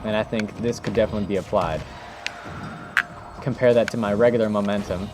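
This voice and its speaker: A man with a fairly low voice talks through gameplay casually, thinking aloud as he goes. His delivery is informal and unscripted, and music plays clearly behind him. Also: fairly even intonation, a little fast. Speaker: host of a video game technique demonstration.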